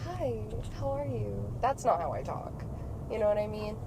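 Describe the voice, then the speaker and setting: A woman hosting a casual podcast chat from a moving car, animated and swearing freely. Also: mid-range voice, normal speed, a crowd in the background. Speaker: podcast host. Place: inside a car being driven. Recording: clear car and road noise. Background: car ambience and road noise.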